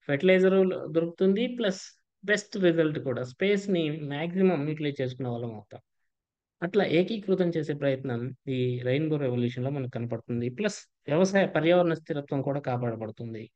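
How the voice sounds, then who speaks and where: Male coaching teacher, fairly high voice, dull lo-fi class audio, explanatory. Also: darkish tone. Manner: explanatory, mixes English terms, checks in with students. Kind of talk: online exam-prep lecture.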